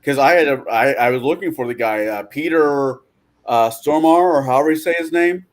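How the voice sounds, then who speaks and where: Podcast co-host, a man with a mid-range voice, animated, profane. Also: mid-range voice, normal speed. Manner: animated, swears freely. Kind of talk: casual podcast chat.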